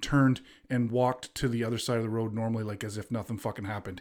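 The recording is very clean with a silent background. A man delivers his words very fast. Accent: Canadian. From southwestern Ontario, Canada. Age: 40s. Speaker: podcast guest. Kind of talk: casual chat.

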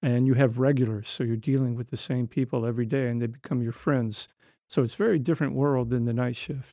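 Against a quiet background, a man with an American accent speaks at a very fast pace in a medium pitch, his dark, mellow tone carrying fairly even intonation. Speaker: novelist. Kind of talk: author interview.

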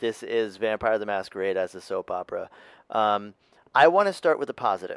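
In a very clean recording with a silent background and a dry, close sound with no echo, a man with a plain, everyday voice speaks at a medium pitch and a fairly quick pace, with ordinary pitch variation. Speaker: podcast host. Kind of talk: interview.

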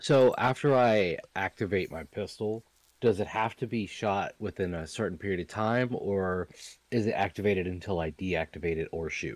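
A man uses a plain, everyday voice at a moderate pace and fairly low pitch, with ordinary pitch variation and a dry, close sound with no echo. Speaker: tabletop roleplaying player. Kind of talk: tabletop roleplaying game.

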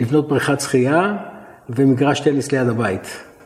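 Over noticeable background noise, a man with a fairly high pitch speaks at a fairly slow pace. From Israel, Beersheba. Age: 60s. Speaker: flower farmer. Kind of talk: interview.

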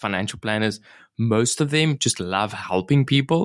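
The speaker has a South African accent. Pitch varies in an ordinary way. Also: man. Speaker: podcast host, financial planner. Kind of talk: podcast interview. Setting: studio.

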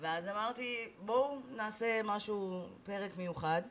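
This woman has an unremarkable speaking voice at a medium pitch. Her intonation is lively. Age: 40s. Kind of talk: casual chat.

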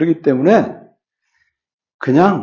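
Pitch swings very widely in this voice. The pace is moderate. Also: man. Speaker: philosophy lecturer. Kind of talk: lecture. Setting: church hall with audience.

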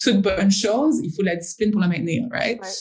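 A woman speaks with ordinary pitch variation in a somewhat breathy voice. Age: 30s. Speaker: entrepreneur. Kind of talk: interview.

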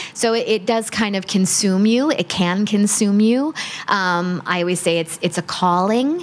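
A woman with an American accent speaks in a plain, everyday voice at a medium pitch, going fairly slowly with ordinary pitch variation. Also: very even loudness. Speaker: embassy English language program director. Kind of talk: interview.

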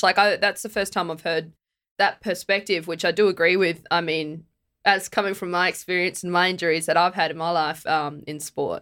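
A woman talks at a medium pitch and moderate pace in an ordinary speaking voice, on a very clean recording with a silent background. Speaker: podcast co-host, athlete. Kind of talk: interview.

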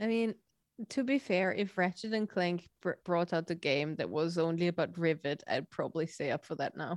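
With a non-native accent, this voice moves at a moderate pace with ordinary pitch variation, its sound dry and close with no echo. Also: woman, fairly low pitch for a woman, quiet background. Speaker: streamer and podcaster. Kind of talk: casual chat. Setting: live stream.

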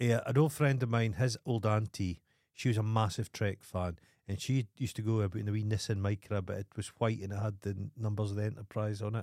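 Very fast and fairly low-pitched, a man talks with a Scottish accent in a very clean recording with a silent background and a dry, close sound free of echo. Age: 40s. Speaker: podcast co-host. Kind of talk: casual chat. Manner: animated.

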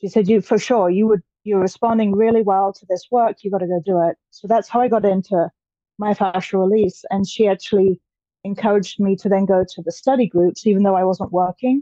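Delivered at a fairly quick pace with an English accent, the voice keeps a fairly even intonation while its loudness swings widely. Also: woman, medium pitch for a woman. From England. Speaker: physical therapist and clinic owner. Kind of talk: casual interview chat.

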